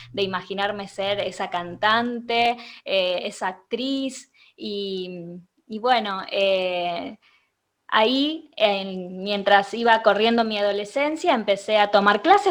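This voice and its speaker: This voice, in an Argentine accent, moves at a very slow pace with ordinary pitch variation. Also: woman. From Argentina. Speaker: singer and vocal coach. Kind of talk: podcast interview answer.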